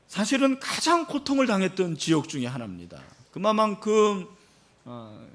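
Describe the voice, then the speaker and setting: A middle-aged pastor preaches a sermon in a church sanctuary, explaining the passage and posing questions to the congregation. His voice sits high with a fairly bright tone, and he uses frequent fillers.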